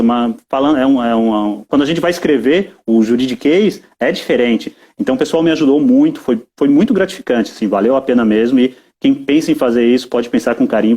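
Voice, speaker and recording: A man's voice: medium pitch, darkish tone, breathy edge. A young Brazilian man in a casual live chat, often repeating words as he talks. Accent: Brazilian Portuguese. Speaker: guest.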